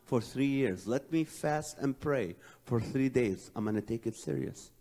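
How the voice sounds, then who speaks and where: A man's voice: mid-range voice, animated, unhurried, mellow, voice pushed down. A man quoting an earnest devout young woman. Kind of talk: stand-up comedy.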